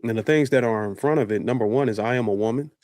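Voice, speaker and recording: A man on a podcast panel calmly laying out his view, listing points one by one. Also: medium pitch, quick pace, dry recording, studio quality. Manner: calm, methodical, listing points in order. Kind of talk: panel discussion.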